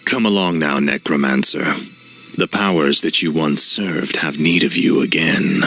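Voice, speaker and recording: An actor playing a young fallen prince turned death knight, speaking in a flat, grim, unrepentant way. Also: male voice, rumbling low, measured pace, a little hiss or hum, heavily acted. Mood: cold. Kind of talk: video game cutscene acting. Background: orchestral score.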